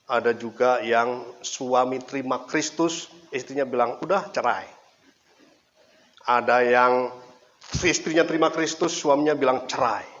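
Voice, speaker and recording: A male preacher with an East Javanese accent talks through a relaxed sermon like an everyday chat, telling stories and repeating words for emphasis. His voice sits at a middle pitch. The recording is dull and lo-fi. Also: moderate pace. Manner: chatty, anecdotal storytelling with repetition. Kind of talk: casual conversational sermon.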